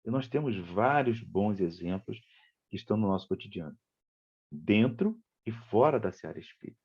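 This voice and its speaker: A man with a Brazilian Portuguese accent from Rio de Janeiro gives a spiritist lecture, telling a story conversationally and acting out the dialogue. His voice is fairly low, husky and expressive, at a moderate pace. The audio sounds dull.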